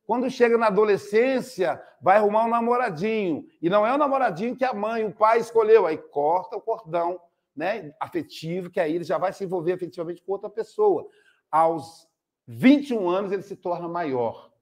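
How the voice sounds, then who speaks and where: A man's voice: high-pitched, fairly quick, darkish tone. An older man with a Brazilian Portuguese accent giving a spiritist talk, telling stories and acting out the people in them. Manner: storytelling with acted quotes. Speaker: spiritist speaker.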